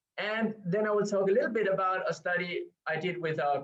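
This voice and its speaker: A man with a Danish accent, talking at a fairly quick pace. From Denmark. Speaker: researcher. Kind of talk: lecture. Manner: hesitant, many fillers.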